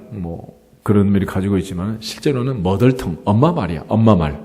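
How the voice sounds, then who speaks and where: A middle-aged male pastor preaching a sermon in a lively, conversational way, often asking the congregation rhetorical questions. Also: on the low side. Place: church sanctuary. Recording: church hall with long reverb.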